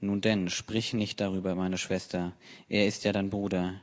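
A man's voice: low voice, little pitch movement, moderate pace, close to an everyday voice. A man reading the lines of a cool, commanding young prince, firm and plain.

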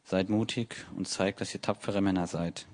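A man's voice: low-pitched, steady tone, normal speed, darkish tone. A man reading the lines of a cool, commanding young prince, firm and plain.

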